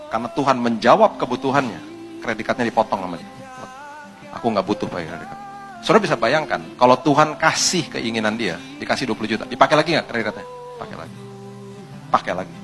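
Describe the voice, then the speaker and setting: A male pastor preaching a storytelling sermon in a lively, conversational way, full of rhetorical questions. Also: mid-range voice.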